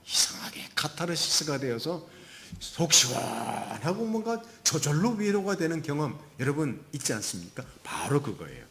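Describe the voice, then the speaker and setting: A man preaching a sermon as pastor, moving between loud emphasis and soft whispers and acting out quoted voices. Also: mid-range voice, creaky. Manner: acts out quoted voices of God and Elijah.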